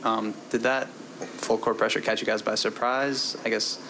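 A male reporter asks his question from across the press room, heard at a distance from the mic. His voice is fairly low and flat, with little movement, and steady background noise is clearly audible. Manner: measured, builds the question step by step.

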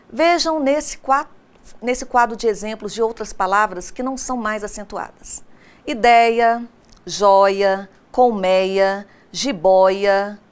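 A woman with a Brazilian Portuguese accent narrating an online lesson as a teacher, speaking directly to her students and asking them questions as she explains. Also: mid-range voice.

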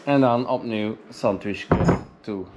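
Slow-talking Flemish man vlogging. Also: lowish voice, very noisy. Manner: halting, hesitant phrasing. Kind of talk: casual chat to camera. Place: indoors at home, rooms and bathroom. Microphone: camera at arm's length or a few steps.

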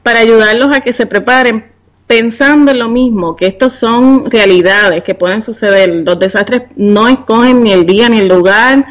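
A woman in her forties from Puerto Rico with a Puerto Rican accent, a university professor and business consultant interviewed as a podcast guest, explaining things in a measured way. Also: fairly high pitch. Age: 40s.

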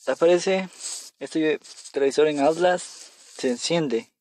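A man's voice: fairly high pitch, slow pace, darkish tone, dry recording, clean studio sound. A man casually commenting as he plays a horror game on his phone, nervous, talking to himself and repeating phrases when scared. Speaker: gamer playing on a phone.

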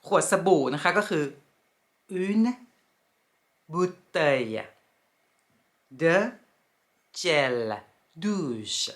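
A woman teaching pronunciation in a lesson, speaking slowly and deliberately and repeating each word carefully. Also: deep voice, sing-song. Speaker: French language teacher.

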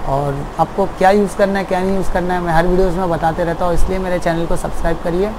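A man's voice: high-pitched, fairly even intonation, quick pace, background noise. A young man who runs an aquarium shop, explaining at length in a casual, repetitive way, seated in his small shop.

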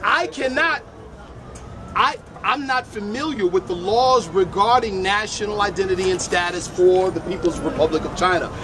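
Middle aged guy lecturing on a handheld mic outside, high voice, crowd and traffic noise all around. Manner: measured, lecturing, repeats phrases. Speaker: street debater. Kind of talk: outdoor public debate. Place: city sidewalk outdoors. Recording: noisy outdoor street recording.

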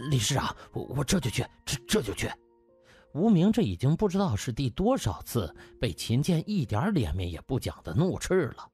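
Male narrator, dramatised audiobook, mid pitch, relaxed timbre, faint music behind.

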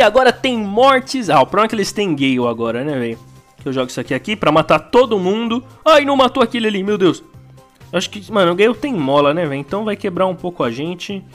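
Young Brazilian gaming YouTuber, excitable and slangy, very animated pitch. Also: male voice. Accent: Brazilian Portuguese. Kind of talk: excited gameplay commentary.

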